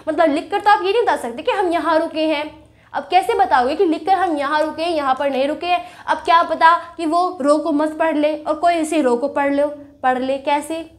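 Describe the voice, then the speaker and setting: High-voiced woman teaching through a story. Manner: asks and answers her own questions, repeats key phrases. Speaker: Hindi grammar teacher. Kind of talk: storytelling grammar lesson.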